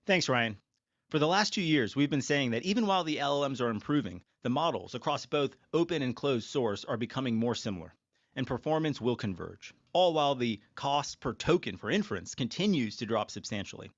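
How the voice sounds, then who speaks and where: A man of average pitch presents scripted remarks on a corporate earnings call. He is assertive and stresses his points. The recording is dry and a little dull, like a conference line. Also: lively intonation, a little fast, dry recording.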